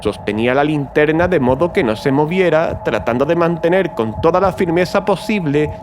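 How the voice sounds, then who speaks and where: An actor playing a mad, gloating murderer who confesses in a theatrical horror audiobook, swinging between hushed and agitated delivery. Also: male voice, fairly high pitch, animated, moderate pace, noisy background, lightly acted. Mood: agitated, insistent. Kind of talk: dramatic horror audiobook narration.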